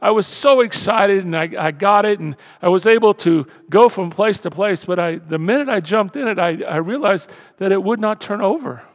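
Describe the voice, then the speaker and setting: A man's voice: high voice, normal speed, few pauses, voice pushed up, close to an everyday voice. A man putting on a South African accent to voice a cheerful male missionary telling his story. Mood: earnest. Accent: South African, imitated. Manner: mimicked accent, earnest storytelling. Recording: reverberant church hall.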